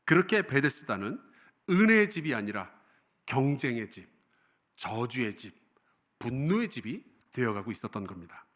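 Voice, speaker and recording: A middle-aged male pastor giving a sermon. He tells a story and asks the congregation questions, swinging between loud emphasis and hushed, low lines.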